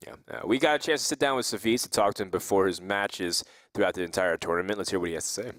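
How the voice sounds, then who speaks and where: Hosting an esports tournament desk, a man with a low voice talks fast, recapping results and putting questions to his co-casters in a lively way. The recording has no room sound.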